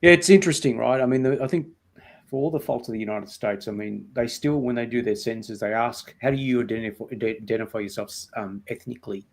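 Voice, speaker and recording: An Australian man explaining his points in a measured way during a podcast debate, often checking in with "right?". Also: medium pitch, vocal fry. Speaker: debate guest.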